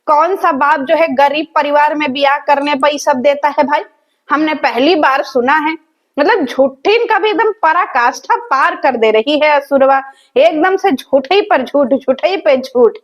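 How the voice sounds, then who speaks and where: A woman's voice: sits high, unhurried. A woman, hosting a reaction video and roasting the people in it in a mocking, sarcastic, scolding way. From rural village in north India.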